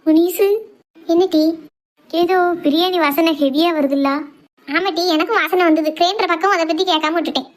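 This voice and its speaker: A woman's voice: very high-pitched, fairly even intonation, normal speed. A woman with a Kanyakumari Tamil accent voicing cheeky, teasing teenage daughters in a comedy cartoon.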